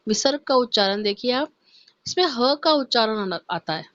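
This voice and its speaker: A woman's voice: on the high side, animated, normal speed, a bit bright, dry recording. A woman teaching a Sanskrit class to young pupils online. She talks patiently and spells out each syllable. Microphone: online class recording. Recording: dull, dry lo-fi sound.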